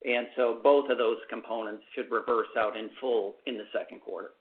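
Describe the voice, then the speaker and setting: A man's voice: mid-range voice, steady tone, fairly quick. A man answering questions as a company executive on an earnings call, in a conversational business style. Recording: phone-like conference call line.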